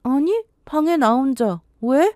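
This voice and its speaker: A young bride-to-be, read by a woman storyteller who sounds puzzled and anxious, asking question after question. Her pitch sits higher than the narration and jumps around, recorded close and dry. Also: lively intonation, slow pace, dark tone, no echo.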